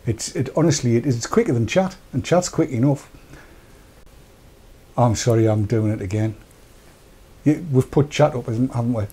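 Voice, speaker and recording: An older man hosting a casual studio chat, croaky after dental work, jokey and rambling. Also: medium pitch, normal speed, long pauses, mellow. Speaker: host. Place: small studio with dark backdrop. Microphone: lapel.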